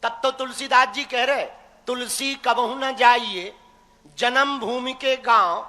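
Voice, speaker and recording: A man's voice: extremely high pitch, fairly even intonation, slow, pushed and bright. A young man preaching live to a crowd, teasing and folksy as he exhorts his listeners. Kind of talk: live religious discourse to a crowd. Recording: echoey hall reverb.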